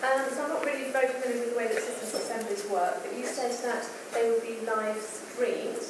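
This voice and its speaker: A woman asks a question from the audience in a quick, searching way. She sounds far from the mic. The room is echoey and noisy. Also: a little high, fairly even intonation. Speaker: audience member. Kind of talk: question from the floor. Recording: distant, echoey room with background noise.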